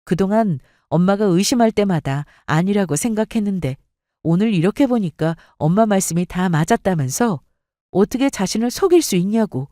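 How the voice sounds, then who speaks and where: Brief: woman narrator for a dramatic audio story, animated intonation, dry close mic. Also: mid-range voice, normal speed, dry recording. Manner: expressive storytelling. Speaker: story reader.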